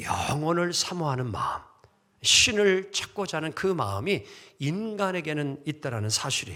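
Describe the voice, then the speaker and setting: In a very clean recording with a silent background, a man with a fairly high pitch and a bright, sharp tone speaks at a fairly slow pace, his pitch swinging very widely. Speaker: pastor. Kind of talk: sermon. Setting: church. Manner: many hesitation fillers.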